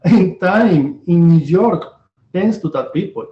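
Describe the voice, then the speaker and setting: A man from Venezuela with a Venezuelan Spanish accent, hosting a casual interview and often halting to search for words. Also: high-pitched, animated. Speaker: host. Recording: echoey, dull lo-fi room sound.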